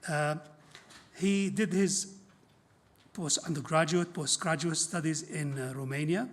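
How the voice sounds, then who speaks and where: A man's voice: fairly high pitch, a little slow. A man acting as event host, reading out a guest speaker's biography with small hesitations before welcoming him. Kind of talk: formal speaker introduction.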